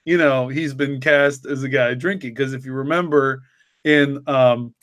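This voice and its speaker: A man chatting casually as a story's co-creator, in a halting, rambling way that often repeats words. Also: mid-range voice, steady tone, fairly bright tone, no room sound, studio quality. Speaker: co-creator and writer discussing his story. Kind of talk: casual chat.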